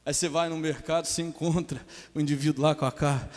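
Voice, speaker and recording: A man's voice: fairly high pitch, steady tone, fast talker, a little mellow, in a large hall. A man preaching a sermon as pastor in a church, emphatic, calling for amens and mimicking his congregation.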